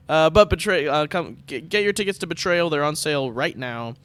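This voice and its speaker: A man's voice: a little high, normal speed, a bit bright, smooth. A man hosting a podcast in a casual, chatty style. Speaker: podcast host. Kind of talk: casual chat.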